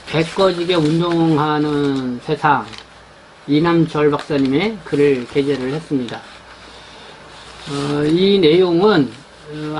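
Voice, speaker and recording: Halting Korean man presenting a newspaper. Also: fairly high pitch, a little hiss or hum, rough recording. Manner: halting, many fillers and restarts. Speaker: newspaper editor presenting the issue. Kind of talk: unscripted newspaper rundown.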